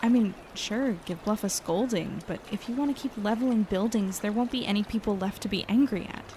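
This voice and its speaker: Actress as conciliatory young female negotiator, medium pitch, earnest, reasoning, casual, audio drama, faint water noise. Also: a little fast, dark tone, close to an everyday voice. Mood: earnest, diplomatic.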